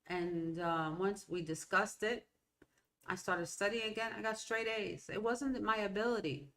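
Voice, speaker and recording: A woman's voice: medium pitch, unhurried, fairly bright tone. Chatty middle-aged woman host, rambling. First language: Spanish. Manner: rambling, conversational, self-interrupting with "okay?" and "right?". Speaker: podcast host. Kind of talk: solo motivational talk.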